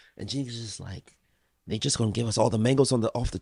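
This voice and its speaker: The speaker has a New York accent and an animated tone. The voice is somewhat breathy, over a quiet background. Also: man. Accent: American, New York. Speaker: podcast co-host. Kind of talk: casual chat.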